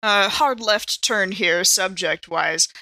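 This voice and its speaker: A woman improvising in character as a tabletop game player, wordy and precise, with hesitant pauses. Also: medium pitch, sharp tone, no room sound.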